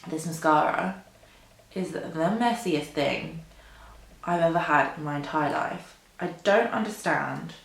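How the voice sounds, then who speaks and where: A woman's voice: low-pitched, measured pace, creaky, a little hiss or hum. A young woman in her twenties chats to camera while getting ready, drawing out her words unhurriedly. She rambles and pokes fun at herself, with plenty of fillers. Her voice rings a little in an echoey room. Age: 20s. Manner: rambling, self-deprecating, lots of "like" and "um". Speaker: beauty vlogger. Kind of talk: chatty get-ready-with-me rambling. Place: indoor room at a mirror.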